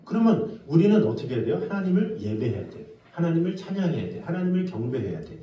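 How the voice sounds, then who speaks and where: A man preaching a Sunday sermon as pastor, animated, acting out pleading prayers in a high voice. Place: church sanctuary. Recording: echoey church from a distance.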